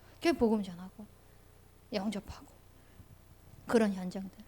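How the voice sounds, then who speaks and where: Speaking with a Gyeongsang accent, a woman keeps a moderate pace. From Gyeongsang region, South Korea. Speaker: pastor. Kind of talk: sermon. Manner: conversational.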